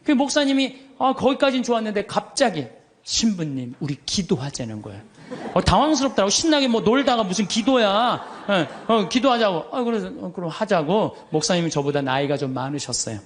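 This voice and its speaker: A middle-aged man, a Catholic priest, telling stories in a lively sermon, acting out the voices of others and laughing as he goes. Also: high voice, a little fast, slight background noise. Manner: animated, acts out quoted voices, laughs often.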